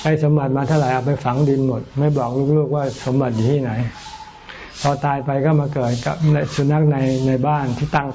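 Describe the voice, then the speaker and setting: A middle-aged man, a Buddhist monk teacher, answering questions in an unhurried, joking, plain way. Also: mid-range voice, mellow. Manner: unhurried, joking, explains plainly in Thai and English. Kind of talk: relaxed dharma Q&A talk. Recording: muffled with faint noise.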